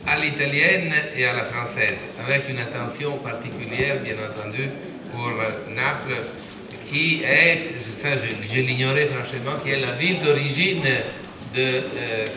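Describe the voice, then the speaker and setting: An older man moderating a conference panel, introducing the next speaker with frequent pauses and fillers. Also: mid-range voice, crowd noise. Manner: halting, many pauses and fillers. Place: conference room. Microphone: table mic on stand. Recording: echoey room, distant mic, background noise.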